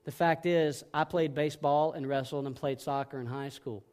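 A middle-aged male pastor preaching a sermon in an earnest way, swinging between hushed, gentle passages and emphatic ones. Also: fairly high pitch, steady tone, normal speed, clean tone.

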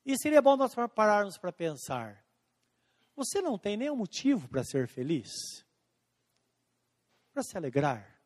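A man preaching a sermon as pastor, slowing down and stretching out scripture quotes, swinging between emphatic and hushed lines. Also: extremely high pitch. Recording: long hall reverb.

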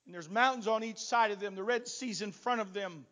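Man, preacher, sermon, very high voice, bright and forceful, quiet asides, shouted exhortations. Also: fairly quick. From not from Texas.

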